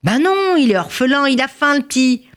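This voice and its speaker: A woman's voice: fairly high pitch, moderate pace, pitched above the performer's own voice, natural voice. A woman voicing a big black-bearded man who scolds a lost child kindly and rallies a room to help. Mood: concerned, rousing.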